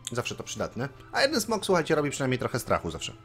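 A man gives casual, chatty commentary as he plays a strategy game, swearing offhandedly now and then. His mid-pitched voice rises and falls a lot. Faint game music plays in the background. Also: huge pitch swings, quick pace, fairly bright tone. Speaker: let's play host.

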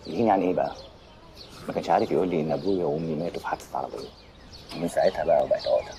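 An actor playing a cocky, wisecracking tough charmer in a comic film, teasing with an Egyptian accent. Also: male voice, very deep voice, racing, noisy background. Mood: reflective, joking. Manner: teasing, sardonic. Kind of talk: comic screen acting.

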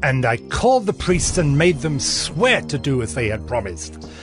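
A man playing a righteous governor narrating his deeds in a dramatized scripture reading, measured and earnest. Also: medium pitch, big pitch swings, natural voice. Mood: indignant, stern. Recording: music bed behind the voice.

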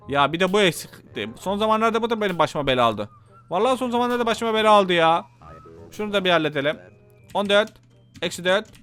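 A man doing Let's Play commentary, excitable, shouting and muttering at the game as he plays. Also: sits high. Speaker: gameplay streamer.

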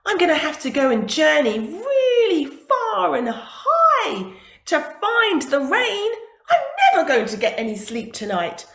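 Woman voicing a grumpy sleepless storybook tiger, bright and lively, echoey room. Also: high voice, measured pace, pitched above the performer's own voice, heavily acted. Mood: weary. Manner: exasperated, emphatic pleading. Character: sleepy grumbling male tiger. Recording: roomy echo.

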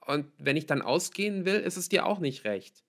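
A man's voice: a little high, sing-song, moderate pace, a bit bright, pitched above the performer's own voice. A man voicing a withdrawn, stubborn teenage girl in an audiobook, curt and defensive.

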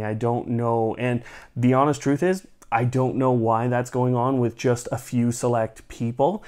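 Male tech host, thirties, mid-pitched voice, explanatory presenting from a small indoor studio. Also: a little mellow. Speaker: host of a smart home tech channel.

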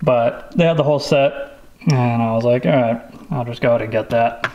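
A man casually showing off tools he bought, talking in a relaxed, rambling way with lots of fillers. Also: mid-range voice, brisk, lo-fi sound, noisy background. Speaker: vlogger showing a tool haul. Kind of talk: casual show-and-tell chat.

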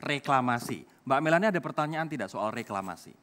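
A man hosting a talk show, moderating briskly and handing the floor to each guest. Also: medium pitch, lively intonation, a bit bright. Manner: brisk, hands the floor around. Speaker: host.

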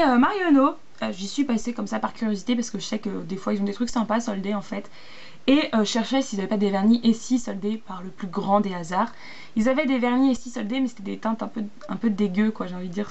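A young woman chatting casually through a beauty haul, with lots of fillers and quick asides. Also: mid-range voice, darkish tone, lo-fi sound. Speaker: beauty vlogger.

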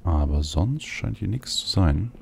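A man's voice: deep voice, animated, a little slow, gravelly, darkish tone, slight background noise. A man giving casual video game commentary as a let's play host, thinking aloud as he goes. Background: faint game ambience.

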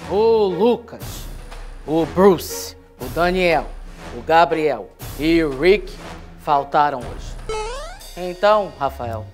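A man playing a school announcer who speaks to the students over the school intercom loudspeaker, slow and formal. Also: a little high, expressive, faint music behind. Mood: announcing.

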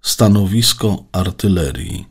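A man's voice: deep voice, expressive, slow pace, breathy edge, pitched above the performer's own voice, full character voice. A man voicing a ship's scout computer that gives curt, formal reports.

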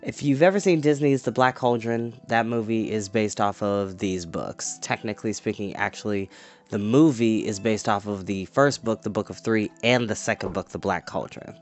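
A man in his twenties reads a storybook aloud for a storytime he hosts, giving it expressive delivery and the occasional casual aside, inside a small home room. His pitch is fairly low and his pace moderate. Soft background music accompanies him.

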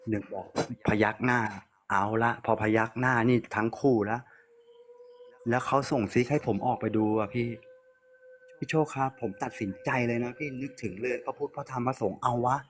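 A man's voice: medium pitch, moderate pace, slight background noise. A man calling in to tell a ghost story in casual, conversational Thai, often addressing the host as he goes. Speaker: caller telling a ghost story. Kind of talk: casual spoken storytelling to a radio-style host.

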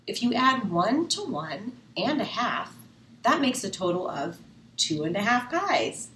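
An American woman reading a storybook as an excitable, anxious little girl, exclaiming emphatically. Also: medium pitch, a little slow, voice pushed up. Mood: triumphant. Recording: roomy, faint background noise.

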